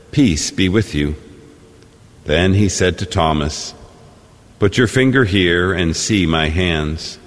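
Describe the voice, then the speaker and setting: A man serving as priest, reading the Gospel and preaching a homily in a measured, deliberate way, his voice ringing with cathedral echo. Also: low-pitched. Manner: measured, deliberate delivery with pauses. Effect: cathedral echo, long church reverb. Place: large church. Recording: long reverb of a large church.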